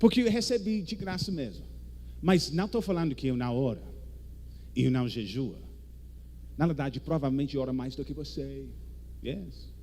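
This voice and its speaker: There is audible room echo as a man speaks in an animated tone at a moderate pace, leaving long, frequent pauses. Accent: non-native. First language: English (speaking Portuguese). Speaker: visiting evangelist preacher. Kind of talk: sermon. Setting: church service. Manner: halting.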